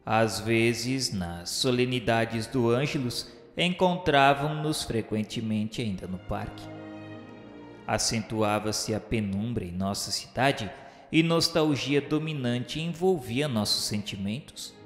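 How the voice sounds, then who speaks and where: Echoey hall reverb and music frame this dramatized first-person radio novela, narrated by a Brazilian man voicing the remorseful spirit of a suicide looking back on the afterlife. His mid-range voice is animated yet slow, and his diction is formal and literary, with a solemn, reverent mood.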